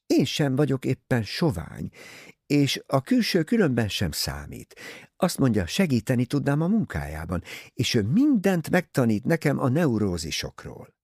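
A man's voice: mid-range voice, huge pitch swings, darkish tone, husky, no room sound, clean studio sound, voice pushed up, heavily acted. A male reader voicing a self-willed young woman in an audiobook, answering in frank, matter-of-fact retorts. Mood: earnest.

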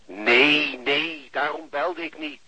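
A man acting as a fussy, reproachful police superior scolding over the phone in a radio drama, with a harsh, raspy voice. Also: a little high, slow pace, pushed and bright, full character voice. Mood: officious, reproving. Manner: officious, scolding, exasperated.

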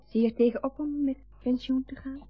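An actress playing a wistful, reproachful grown daughter with a husky voice in a naturalistic radio drama. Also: female voice, high voice, steady tone, fairly quick, dry recording. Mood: teasing. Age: adult. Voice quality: husky, breathy. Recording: dull lo-fi radio recording with music.

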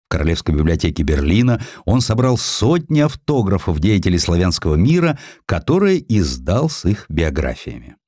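Deep-voiced male narrator, lively intonation. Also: moderate pace, few pauses, no room sound, clean studio sound. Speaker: audiobook narrator. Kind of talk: scripted literary narration of a historical sketch, acting out dialogue.

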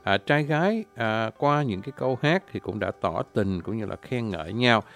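A man giving an informal spoken lecture. He politely addresses his listeners and fills pauses with drawn-out "à" sounds. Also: fairly low pitch, animated, a bit bright. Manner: frequent drawn-out "à" fillers between phrases. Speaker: presenter explaining folk singing.

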